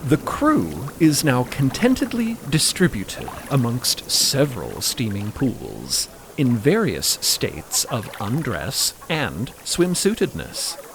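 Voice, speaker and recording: A man narrating a scripted fiction podcast in a measured manner, savoring descriptive phrases. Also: medium pitch, huge pitch swings, creaky, background noise.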